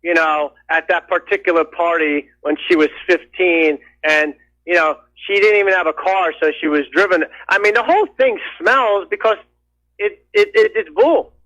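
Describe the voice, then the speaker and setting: Guy calling in on a muffled phone line, high tense voice, worked up and rambling. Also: fairly bright tone, dry recording. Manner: indignant, rapid rambling with restarts. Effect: over the phone. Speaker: caller. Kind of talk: call-in radio chat.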